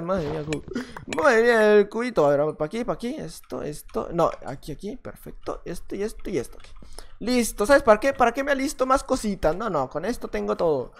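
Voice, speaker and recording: A man with a Mexican Spanish accent giving gameplay commentary, excitable and repeating short phrases as he talks to himself. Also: sits high, slight background noise. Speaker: gaming youtuber.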